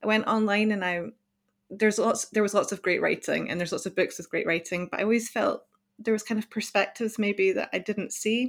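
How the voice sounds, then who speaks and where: A woman with a Scottish accent talks at a fairly quick pace with fairly even intonation. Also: fairly high pitch for a woman, very clean recording, silent background. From Scotland. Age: 30s. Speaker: podcast co-host. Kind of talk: casual chat. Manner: fast talker.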